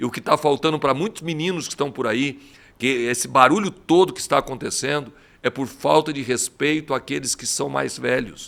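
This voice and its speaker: With vocal fry and a bright, sharp tone, a man speaks at a fairly high pitch and moderate pace with ordinary pitch variation, in a very clean recording against a silent background. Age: 60s. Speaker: pastor. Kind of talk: religious talk show. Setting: studio, live radio broadcast.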